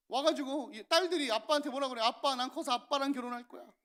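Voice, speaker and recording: A male pastor preaching a sermon, telling stories with lively acted-out lines of parents and children. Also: extremely high pitch. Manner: animated storytelling, acting out parents and children.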